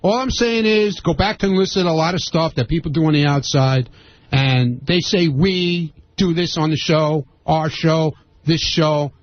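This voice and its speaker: A male radio staffer explains himself in a defensive way. His voice is high for a man, with a dry sound and a dull, lo-fi quality. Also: steady tone, moderate pace, no echo. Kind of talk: unscripted studio discussion.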